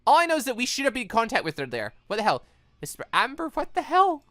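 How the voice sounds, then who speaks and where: A woman giving excitable video game commentary as a let's play host, reacting out loud with exclamations. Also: on the high side, quick pace, no echo, soft background music.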